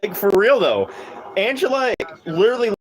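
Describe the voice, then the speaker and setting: Profane, excitable young male streamer. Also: a little hiss or hum, rough recording. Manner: profane, excitable, quick swings in pitch. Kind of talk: casual live-stream chat while gaming.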